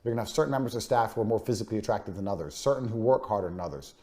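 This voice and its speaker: Lowish-voiced guy lecturing about selling, cocky, swears a lot, repeats his points hard. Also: expressive, very fast, a little mellow. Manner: blunt, boastful, swears freely; punchy, emphatic repetition. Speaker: business course speaker. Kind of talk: motivational business lecture.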